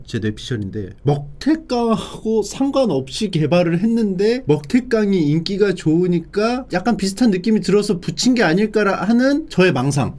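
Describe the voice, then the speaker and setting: Male mukbang streamer, slightly high register, swooping melodic delivery, informal, opinionated and teasingly argumentative. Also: darkish tone. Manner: opinionated, playfully argumentative with viewers. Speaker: livestream host reviewing snacks. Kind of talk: casual mukbang livestream chat.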